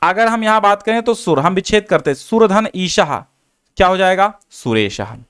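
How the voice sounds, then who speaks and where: A man's voice: sits high, animated, moderate pace, fairly bright tone, clean tone. A young adult man teaching Hindi grammar, explaining rules step by step, repeating them and asking rhetorical questions. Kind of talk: classroom grammar lesson.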